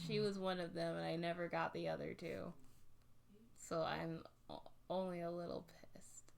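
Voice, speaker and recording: Audible room echo follows a woman who talks at a moderate pace. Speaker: streamer. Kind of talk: casual chat. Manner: deadpan; monotone.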